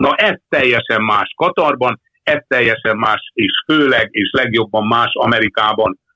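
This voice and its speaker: An ordinary speaking voice from a man, medium in pitch, at a fairly slow pace with hardly any pauses, very even loudness and ordinary pitch variation. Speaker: football coach. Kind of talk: interview. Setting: phone call.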